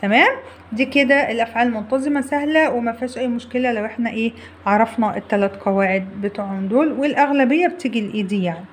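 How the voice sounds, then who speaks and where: A young adult woman with an Egyptian Arabic accent teaching an online English grammar lesson, explaining step by step and repeating key words slowly. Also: fairly high pitch, slight background noise.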